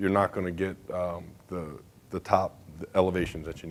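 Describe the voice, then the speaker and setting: A man with a very deep, low pitch. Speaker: state bridge engineer. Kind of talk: conference presentation. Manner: loud.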